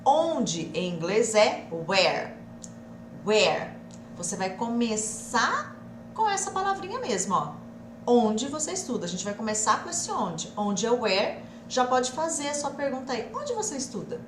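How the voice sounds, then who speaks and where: A young woman with a Brazilian Portuguese accent giving a live online English lesson, energetic and teacherly, slowing down to drill example phrases and urging viewers to speak up. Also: on the high side. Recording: echoey room, faint background noise.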